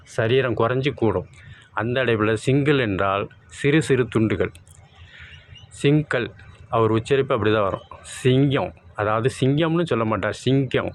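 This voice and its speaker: A man giving a talk on spiritual meanings of words, explaining patiently and repeating key phrases. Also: mid-range voice. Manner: repetitive, explains word sounds and meanings. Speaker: spiritual speaker.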